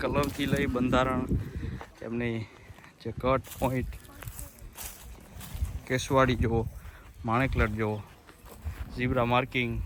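Noticeable background noise surrounds a man whose intonation is monotone and flat. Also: medium pitch for a man. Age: 20s. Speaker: horse vlogger. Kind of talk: vlog narration.

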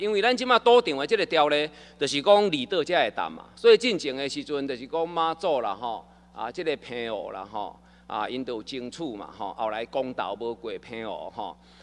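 Speaking with a Taiwanese accent, a man uses a fairly high pitch at a moderate pace. His pitch swings very widely. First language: Taiwanese Hokkien (speaking Chinese). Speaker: city councillor. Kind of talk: council interpellation. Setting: council chamber.

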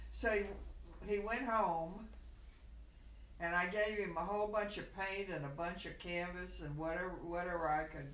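Noticeable background noise surrounds a woman with a fairly low pitch. She speaks at a moderate pace with fairly even intonation and long, frequent pauses. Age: 80s+. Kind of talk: interview answer. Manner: casual, conversational.

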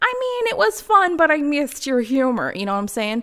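Over a quiet background, a woman talks loudly at a fairly quick pace in an upbeat tone. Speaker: YouTuber reacting to ASMR videos. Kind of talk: casual talk to camera. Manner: upbeat, humorous, louder non-ASMR style. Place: home room.

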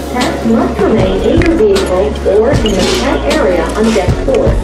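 A man talks over loud background music, with audible echo from the room. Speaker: ferry safety announcer. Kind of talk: recorded safety announcement. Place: boat. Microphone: pa.

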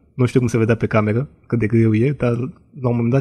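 A man speaks at a fairly quick pace in a dark, mellow, somewhat breathy tone, his intonation monotone and flat against a quiet background. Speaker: martial arts instructor. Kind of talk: casual chat. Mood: relaxed, candid. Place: studio. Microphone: studio mic.

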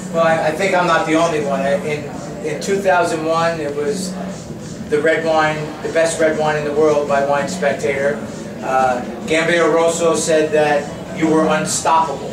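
A man speaks at a moderate pace with fairly even intonation. Noticeable background noise and audible room echo are present. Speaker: restaurant host interviewer. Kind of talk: interview question. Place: bar. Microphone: camera far.

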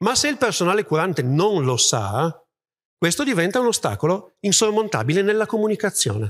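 A man's high-pitched voice at a fairly quick pace, with very wide pitch swings, very even loudness and a quiet background. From Piedmont, Italy. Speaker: linguist; speaker. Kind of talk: public talk at a festival. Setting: hall with live audience. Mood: impassioned, annoyed. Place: hall. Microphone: handheld.

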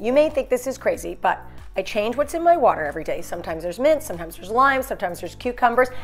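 Words rush out at a very fast pace while faint music plays in the background. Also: woman. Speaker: lifestyle vlogger. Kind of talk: casual vlog chat. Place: home room.

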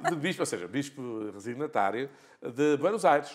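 Vocal fry marks a man's fairly high-pitched voice at a moderate pace. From Portugal. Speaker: talk show guest, priest. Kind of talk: TV talk show commentary. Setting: studio. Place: studio. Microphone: lapel.

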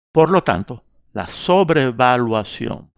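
A man speaks at a very slow pace with lively intonation. The sound is dry with no echo against a quiet background. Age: 60s. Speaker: political commentator. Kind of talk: lecture. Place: home room. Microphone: headset.

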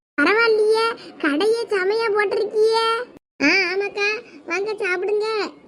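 A woman performs a cartoonish character voice at an extremely high pitch. She talks at a fairly slow pace. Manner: chatty, rambling.

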